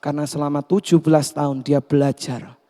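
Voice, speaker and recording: Pastor guy telling a sermon story, lively, acts out people, big hall echo. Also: a little high, brisk. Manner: animated, acts out the characters. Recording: long hall reverb.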